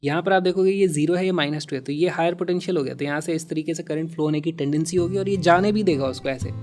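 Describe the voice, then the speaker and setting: A man explains physics problems step by step. He talks in a lively way and leans hard on key words. He drops English terms in as he goes. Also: on the high side, fast talker, faint music behind. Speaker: physics teacher.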